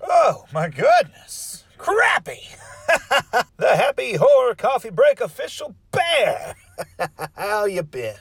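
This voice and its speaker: A man's voice: very high voice, wildly swooping pitch, takes it slowly, a bit bright, slightly rough. A man hosting a horror-comedy show in a campy, theatrical manner. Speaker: podcast host.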